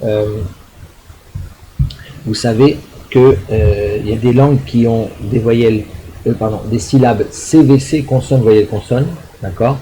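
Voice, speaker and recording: A man's voice: mid-range voice, fairly even intonation, measured pace, pauses often, mellow, a little hiss or hum, low-quality recording. A middle-aged man, a university lecturer, explaining a recorded lecture with frequent fillers, restarts and tag questions to check understanding. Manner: hesitant, many fillers and restarts.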